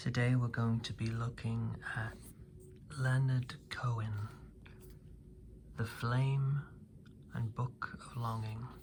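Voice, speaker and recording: The tone is calm and soft-spoken, and the pace is very slow. Long pauses come often. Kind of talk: ASMR soft-spoken book commentary. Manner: soft-spoken, calm.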